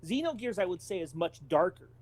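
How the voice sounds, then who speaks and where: High-voiced man, analytical podcast talker. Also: sing-song, brisk, breathy edge. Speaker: podcast co-host. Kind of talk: casual, opinionated discussion.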